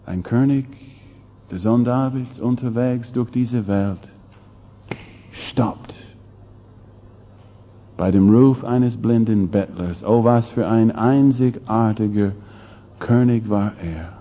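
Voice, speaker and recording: A man preaching a sermon, speaking slowly and dramatically, asking the congregation rhetorical questions and swinging between loud emphasis and hushed asides. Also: mid-range voice. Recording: long hall reverb, dull lo-fi sound.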